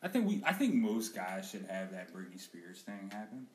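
A man's voice: on the low side, big pitch swings, normal speed, darkish tone. A young man co-hosting a podcast in casual chat, working through his points with lots of "like" and "you know". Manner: musing, rambling explanations with many fillers. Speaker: podcast co-host.

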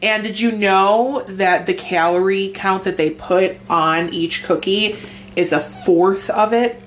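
Raspy woman on a casual podcast. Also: mid-range voice, fairly even intonation, slow pace, a little hiss or hum. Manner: profane, rambling, filler-heavy. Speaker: podcast co-host. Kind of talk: casual chat.

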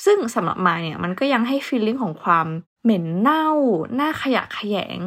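A woman's voice: a little high, very animated, moderate pace, a bit bright, breathy edge. A young woman hosting a casual vocabulary lesson, chatting easily and spelling words out letter by letter. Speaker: English teacher host.

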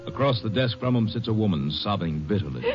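A man's voice: lowish voice, animated, fast talker. A man with an American accent narrating a scripted 1950s radio drama. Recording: muffled old radio recording, faint music.

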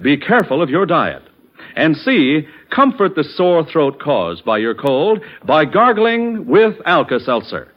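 A man's voice: on the high side, sing-song, unhurried. A man announcing a 1940s radio commercial with polished, emphatic salesmanship. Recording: muffled 1940s radio broadcast.

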